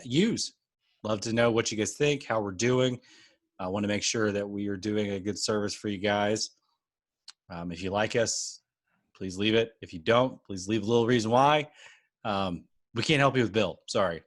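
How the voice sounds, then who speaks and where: A man's voice: medium pitch, normal speed. A man co-hosting a podcast, casual and joking, with short wry quips. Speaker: podcast co-host. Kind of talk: casual podcast chat, plugs.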